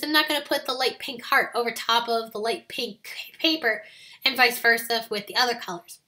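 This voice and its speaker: A woman with a high, bright voice that is still raspy and scratchy from a recent illness. She talks through a card-making project step by step in a friendly voiceover. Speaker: card-making video host. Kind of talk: voiceover craft tutorial.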